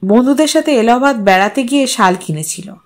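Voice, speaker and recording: A woman reading a literary story aloud as an expressive narrator. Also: on the high side, a little fast.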